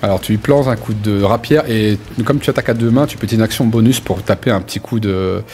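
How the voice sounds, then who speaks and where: A man's voice: fairly low pitch, fast, darkish tone, slight background noise. A man running a tabletop role-playing game, narrating in an informal, hesitant but vivid way. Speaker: game master.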